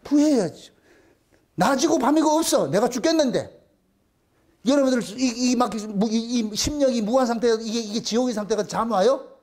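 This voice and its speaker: A man's voice: very high voice, moderate pace, a little mellow. A male pastor preaching a sermon in an emphatic, repetitive way, asking many rhetorical questions.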